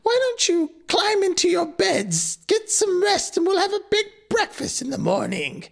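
A man's voice: very high voice, wildly swooping pitch, normal speed, gravelly, fairly bright tone, pitched above the performer's own voice, exaggerated voice. A man voicing an ugly old witch woman with a crackling, cackling voice, as he reads a fairy tale aloud. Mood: sly, coaxing.

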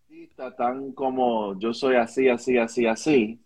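In a rough recording, a man with a medium-pitched, darkish voice and a breathy edge speaks a little slowly with fairly even intonation. He's a music video director being interviewed, replying casually in Caribbean-accented Spanish, repeating words and mixing in English.

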